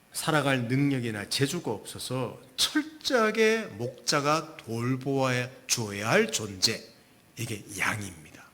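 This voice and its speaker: A man delivers a Sunday sermon as a pastor. He talks in a loose, conversational way and drops in offhand asides. His pitch swings widely from phrase to phrase. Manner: relaxed, conversational preaching with asides.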